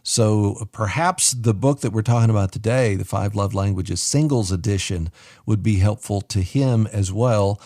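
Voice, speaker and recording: A man's voice: fairly low pitch, normal speed, dark tone, no room sound, clean studio sound. A man co-hosting a radio advice show, leading into calls in a friendly presenter way. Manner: smooth, friendly presenter, reads phone numbers. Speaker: radio co-host.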